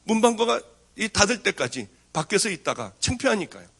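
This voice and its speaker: Pastor, middle-aged man, slightly high voice, storytelling testimony with acted-out dialogue. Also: very animated, fairly quick, creaky, fairly bright tone. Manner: storytelling, acting out quoted speech. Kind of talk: testimony sermon.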